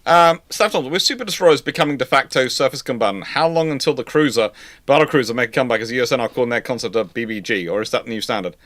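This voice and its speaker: A naval historian hosting a laid-back livestream answers questions from viewers, rambling and frequently going back over his words. He talks quickly in an expressive, medium-pitched, slightly bright voice, with no room sound.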